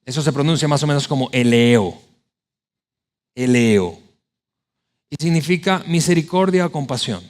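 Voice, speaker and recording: Male pastor, high voice, animated sermon delivery with acted-out quotes. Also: brisk.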